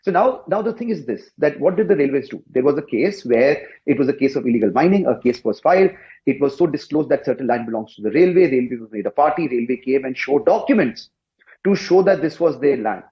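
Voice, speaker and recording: A man speaking as a panelist in a televised debate, insistent and forceful, with a loud voice. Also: mid-range voice, lively intonation, fairly quick, lo-fi sound.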